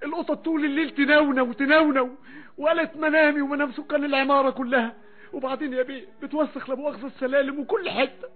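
A frantic squeaky Egyptian doorman. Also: fairly even intonation. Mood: pleading. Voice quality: fast pleading patter. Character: anxious lowly male doorman pleading his case. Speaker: doorman in a radio play. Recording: tinny lo-fi archival radio.

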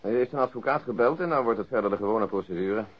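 An actor playing a calm, understated police detective in a radio drama, speaking in a dry, matter-of-fact way. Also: male voice, on the low side, fast, slightly rough. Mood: businesslike. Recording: dull radio drama recording.

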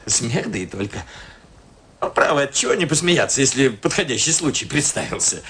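Flustered, self-important husband, animated delivery. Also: male voice, medium pitch, moderate pace, a little hiss or hum. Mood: wavering. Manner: muttering to himself, hesitant, exclaiming, theatrical. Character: self-important, flustered middle-aged married man at his dacha. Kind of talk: radio play acting. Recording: radio play with music underneath.

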